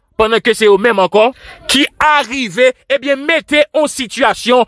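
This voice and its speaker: A man projects a raised voice at an extremely high pitch, bright and sharp in tone, with a dry, close sound and no echo. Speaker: news channel narrator. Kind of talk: news commentary. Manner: hesitant, many fillers.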